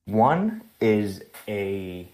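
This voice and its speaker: A male caller who grew up in Spain, with a very low voice. He speaks earnestly and apologizes often. He puts his questions carefully. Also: big pitch swings, very slow, darkish tone, rough recording. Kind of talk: phone call question.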